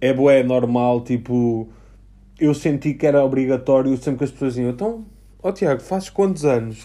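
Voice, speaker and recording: In a European Portuguese accent, a man speaks at a moderate pace. His voice has a dark, mellow tone and a medium pitch with ordinary variation. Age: 30s. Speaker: podcaster. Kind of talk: casual monologue. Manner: animated.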